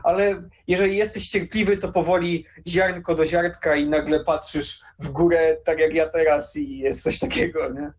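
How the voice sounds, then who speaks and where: A man's voice: fairly high pitch, little pitch movement, moderate pace, few pauses. A young man chatting casually and enthusiastically as an interview guest on a video call. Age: young adult. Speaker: interview guest, game collector. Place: small room lined with game shelves. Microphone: headset on a video call. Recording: dull lo-fi video call audio.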